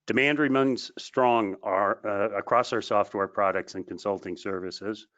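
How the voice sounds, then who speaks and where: Low-voiced man on a muffled call. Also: fairly bright tone. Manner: formal, measured reading. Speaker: company executive. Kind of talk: scripted earnings call presentation. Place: conference call. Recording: dull, lo-fi conference call audio.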